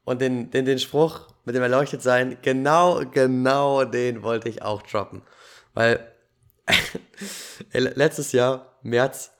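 A man hosting a podcast, telling his own story in a lively, casual way with youthful slang. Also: mid-range voice, slow pace. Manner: animated storytelling, laughs easily, youthful slang. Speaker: podcast host.

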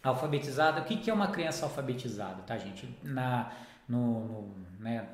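A man hosts a relaxed live stream on teaching children to read. He talks in a mid-range voice that sits in the middle for a man and often closes a point with a quick tag question. His voice bounces around a roomy, echoing space. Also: medium pitch. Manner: chatty, explanatory, often ends with tag questions. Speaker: literacy educator hosting a live stream. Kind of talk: casual educational live chat. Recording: roomy echo.

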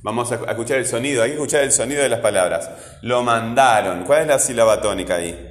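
A man's voice: medium pitch, racing. A man teaching a grammar lesson to a class. He asks patient, coaxing questions and sounds out words syllable by syllable. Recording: echoey classroom, roomy reverb.

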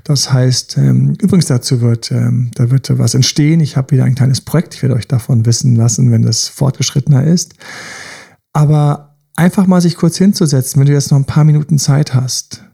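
A man's voice: mid-range voice, steady tone, moderate pace, gravelly, mellow, husky. A man hosting a self-help podcast, coaching listeners directly with repeated rhetorical questions. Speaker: podcast host.

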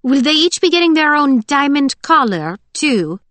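A woman reader acts a feisty young woman in an audiobook. She is blunt and sarcastic, with a sharp tongue. The sound is close and dry. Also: medium pitch, measured pace, no room sound, close to an everyday voice.

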